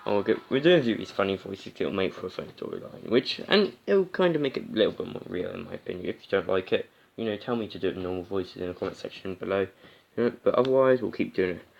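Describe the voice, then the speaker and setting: A man's voice: deep voice, expressive, quick pace, gravelly, a little mellow, dull audio. A man hosting a let's play, chatting casually and reading a visual novel aloud. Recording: music behind the voice. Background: music.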